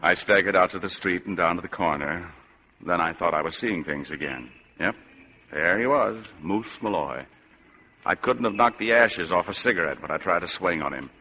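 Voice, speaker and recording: An actor playing and narrating a battered, sardonic private eye in a 1940s radio detective drama. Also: male voice, sits low, moderate pace, bright, forceful tone, breathy edge, full character voice. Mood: grim narration. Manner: hard-boiled, sardonic wisecracks. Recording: muffled old radio broadcast.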